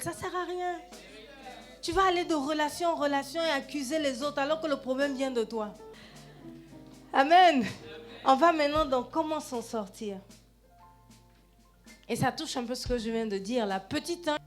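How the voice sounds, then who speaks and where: A woman pastor with a high voice preaches in a church, addressing the congregation directly in a lively, conversational manner. She tags her phrases with "hein" and calls for "amen" as she goes. Soft music plays faintly underneath. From Gabon. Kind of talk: sermon.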